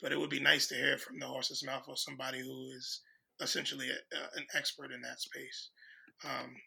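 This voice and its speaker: A man's voice: mid-range voice, completely flat delivery, a little fast, creaky, pushed and bright, slightly rough. A man in a casual discussion who speaks agreeably and hesitantly, often restarting his sentences. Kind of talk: casual conversation.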